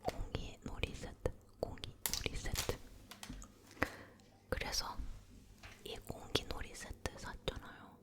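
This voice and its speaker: A female ASMR host leans in close to the mic and whispers a personal story, slow and hushed, gently repeating words.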